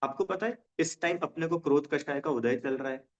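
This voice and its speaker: धीमे-तेज़ बोलता शिक्षक, धुंधली recording. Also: male voice, fairly high pitch, brisk. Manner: checks understanding often, uses everyday examples. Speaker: teacher of a religion class. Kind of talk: explaining lesson in casual Hindi. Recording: dull lo-fi sound.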